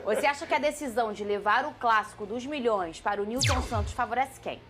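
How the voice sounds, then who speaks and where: A woman with a Brazilian Portuguese accent hosting a studio sports debate, lively and keeping the talk moving with questions. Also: on the high side, brisk, over music. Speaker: TV sports show host.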